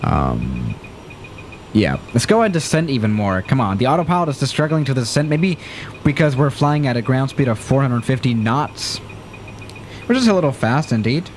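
A man's voice: medium pitch, moderate pace, slight background noise. A young man streaming a flight sim, chatting loosely and getting flustered when things break, on a desk mic in a small room. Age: young adult. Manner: chatty, excitable, flustered by emergencies. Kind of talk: live-stream commentary. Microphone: studio mic on desk.

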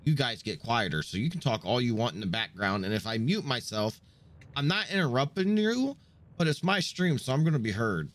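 A young man hosting his own game stream, chatting loudly and casually with friends, on a headset mic at home. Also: mid-range voice, big pitch swings, brisk. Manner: loud, talks over friends on voice chat. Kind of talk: casual gaming stream chat. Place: home gaming room.

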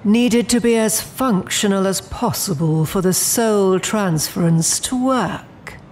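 A woman's voice: medium pitch, darkish tone, slight background noise. A woman playing a poised, menacing immortal demon in an audio drama, speaking in a genteel, coolly imperious way.

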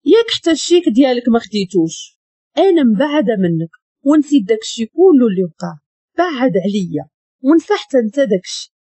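A woman's voice: very animated, brisk, husky, dry recording. A woman with a Moroccan accent voicing a frightened young woman who pleads to be left alone. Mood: pleading. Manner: pleading, higher and louder.

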